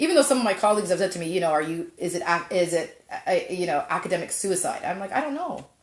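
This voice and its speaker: A woman at a very fast pace with lively intonation. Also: medium pitch for a woman. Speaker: educator and therapist. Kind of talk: casual interview chat.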